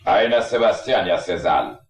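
A man acts a stern middle-aged cartoon commissioner giving orders. His voice is lowish and quick. The recording is echoey. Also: close to an everyday voice. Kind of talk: dubbed cartoon acting. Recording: echoey, distant-sounding audio.

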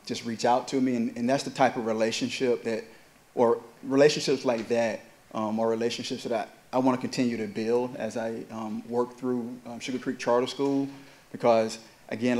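Man, 30s, sincere honoree, halting, filler-heavy, handheld mic onstage. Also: medium pitch, a little mellow. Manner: earnest, halting, many fillers and restarts. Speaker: honored alumnus, charter school educator. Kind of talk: onstage interview. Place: university event hall with audience.

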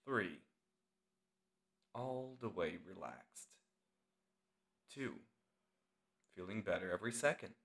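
A man leading a guided meditation as the instructor, speaking in short, deliberate phrases with long pauses. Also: deep voice, expressive, vocal fry, fairly bright tone.

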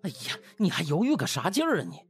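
A man's voice: high-pitched, huge pitch swings, fast talker, soft background music, pitched above the performer's own voice. A man voicing a desperate, pushy butler in an audiobook, stammering and pleading in colloquial speech. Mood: excited, urging. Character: anxious, desperate, pushy male household butler.

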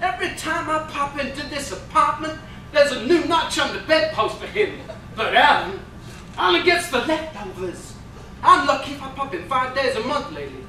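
A man's voice: extremely high pitch, big pitch swings, normal speed, bright, forceful tone, full character voice. A man playing a flamboyant, sassy, self-pitying gay werewolf in a staged comedy reading, full of campy pet names. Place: indoor stage, recorded from the audience by far camera. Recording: distant, echoey theater, noisy background.

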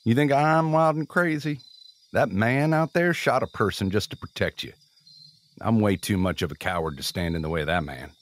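A man's voice: lowish voice, moderate pace, lightly acted. A man playing a weary, resigned, self-deprecating injured man in a naturalistic audio drama, casual and wry.

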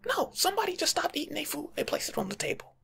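A young American man giving soft-spoken ASMR advice in a slangy, teasing, lecturing way, often slipping into a breathy whisper. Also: extremely high pitch, sing-song, rapid-fire, a little hiss or hum. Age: young adult. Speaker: ASMR creator playing a life coach. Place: small home room, seated indoors.

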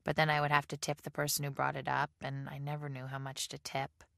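Low, gravelly woman reading an audiobook. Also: monotone, brisk, pushed and bright, no room sound, clean studio sound. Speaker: audiobook reader. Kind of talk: audiobook narration.

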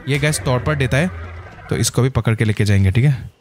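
A man hosting his gaming channel, giving excitable gameplay commentary and calling out to his viewers constantly. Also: mid-range voice, brisk, slight background noise. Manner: excitable, keeps saying "guys".

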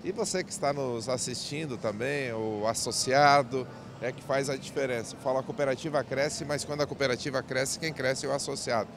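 A man's voice: medium pitch, fairly quick, background noise. An older man, a cooperative president, speaking earnestly in a speech-like way into a handheld mic in a large event hall. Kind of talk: interview statement.

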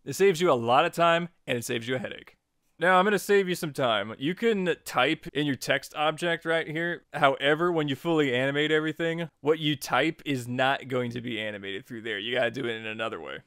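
Guy doing a chatty how-to voiceover, smooth clean voice, dry close sound. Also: mid-range voice, a bit bright, no echo. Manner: chatty, informal step-by-step instructing. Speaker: tutorial host. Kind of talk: casual software tutorial narration.

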